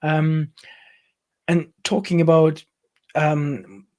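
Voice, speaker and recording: A man hosting a live conversational interview, speaking in a somewhat halting way with repeated words. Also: on the high side, flat delivery, a little mellow. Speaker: interview host.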